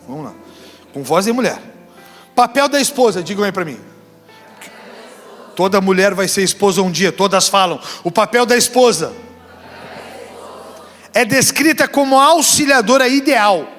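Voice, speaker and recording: A man preaching a sermon as pastor, acting out couples' lines and shouting rebukes. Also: high-pitched, expressive, moderate pace, long pauses. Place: church hall. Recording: church hall reverb with faint music.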